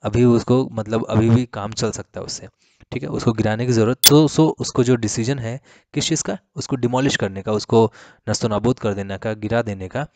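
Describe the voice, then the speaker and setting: A man teaching English grammar for exams, explaining in Hindi, reading example sentences slowly and spelling words letter by letter. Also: mid-range voice, darkish tone, no room sound. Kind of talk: exam-prep grammar lesson.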